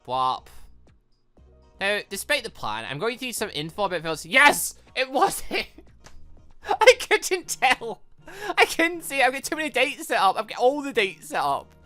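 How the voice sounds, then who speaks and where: A gaming host talking in an excitable, rambling let's play style. The voice is bright and forceful, with pitch that jumps around a lot. Faint music plays underneath. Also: moderate pace. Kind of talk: casual let's play commentary.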